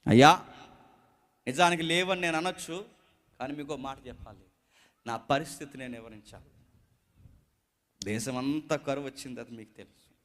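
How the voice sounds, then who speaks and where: A man speaking as a grieving, widowed poor mother in famine, in a hushed, sorrowful, pleading voice. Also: medium pitch, moderate pace, pauses often, voice pushed down, close to an everyday voice.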